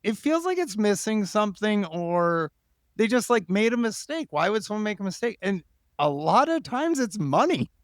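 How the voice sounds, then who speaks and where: High-voiced, animated male podcast host. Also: normal speed, no room sound, clean studio sound. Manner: informal, thinking aloud with "like". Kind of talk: casual conversational interviewing.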